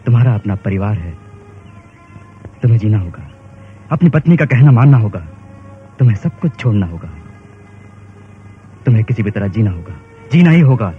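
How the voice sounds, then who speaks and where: A man's voice: medium pitch, very animated, moderate pace, pauses often, soft background music, lightly acted. A man playing a pleading elderly father. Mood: earnest. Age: older. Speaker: father-in-law in a dubbed film. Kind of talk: dubbed film acting. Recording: dull film dub with background score.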